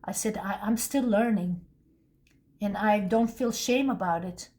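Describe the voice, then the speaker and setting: A woman's voice: medium pitch, measured pace, a little mellow. A woman with a non-native English accent giving a casual, rambling tarot reading, full of restarts and asides. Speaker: tarot reader.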